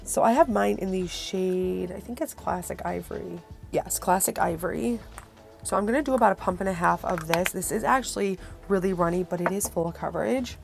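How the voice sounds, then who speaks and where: A woman's voice: on the low side, brisk, vocal fry, a little mellow, faint music behind. A woman beauty vlogger chatting casually to viewers through a product review, her voice worn from being sick.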